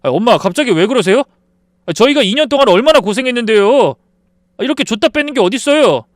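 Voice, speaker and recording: A grown son on his wife's side, as a man acts him out, pleading and protesting in a whiny voice. The tone is high and smooth, and the recording is close and dry. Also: sing-song, fairly quick, fairly bright tone, no room sound. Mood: exasperated. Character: defensive adult son who shields his wife. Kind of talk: dramatized story reading.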